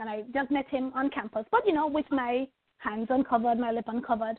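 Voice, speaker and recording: A woman speaks in a Jamaican accent, high in pitch. Her pace is fairly quick. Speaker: doctor and clinical researcher. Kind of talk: casual interview. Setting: live radio show.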